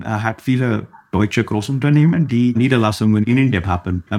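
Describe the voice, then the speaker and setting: A man's voice: on the low side, a little mellow. Telugu-speaking man, German. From India. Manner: careful, hesitant with frequent fillers. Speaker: embassy representative. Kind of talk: interview answers.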